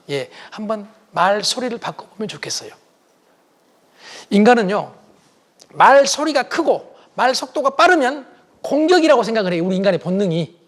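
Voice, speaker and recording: A middle-aged man giving a lively public lecture, acting out bits of dialogue and putting questions to the audience. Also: high-pitched. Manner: acts out dialogue, quizzes the audience.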